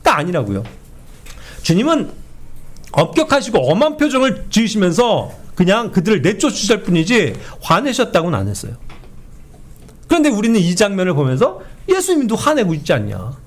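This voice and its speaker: Guy leading bible study, talks high and bouncy, keeps going "right?" and acts out what people say. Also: brisk. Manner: animated, often asks the group for agreement; acts out quoted speech.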